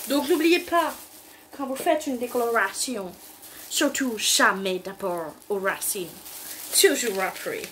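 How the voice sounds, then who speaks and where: A woman's voice: on the high side, expressive, unhurried, fairly bright tone, slight background noise. A young woman with a southern French accent chatting casually at home while doing a DIY hair treatment, giggling and swearing loosely. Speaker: beauty vlogger. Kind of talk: casual chat.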